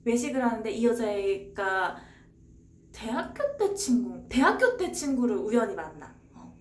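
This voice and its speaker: A woman's voice: fairly high pitch, big pitch swings, a little slow. A young woman streamer casually retelling a novel's plot, chatty and rambling, answering her viewers as she talks. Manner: chatty, rambling, answers chat with short replies. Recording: roomy echo, faint background hiss.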